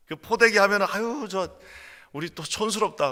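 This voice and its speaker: A raised, projected voice with a bright, sharp tone moves at a fairly quick pace on a very clean recording with a silent background. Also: man. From South Korea, island village. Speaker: pastor. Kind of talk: sermon.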